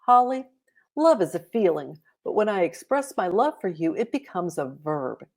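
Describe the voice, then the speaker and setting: A woman voicing a patient, loving mother in a children's storybook, gently teaching in a measured way. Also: fairly low pitch, very animated. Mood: gentle, patient. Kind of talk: children's storybook read-aloud.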